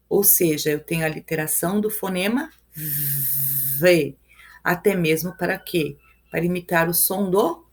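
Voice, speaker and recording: A woman with a Brazilian Portuguese accent teaching a live review lesson, explaining step by step and counting syllables aloud. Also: medium pitch.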